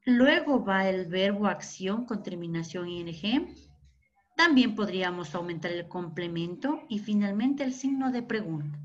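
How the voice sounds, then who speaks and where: In this patient English grammar lesson, an Ecuadorian woman teacher speaks at a medium pitch over dull-sounding audio. She explains things slowly and keeps checking on her students with ¿verdad? and ¿ya?.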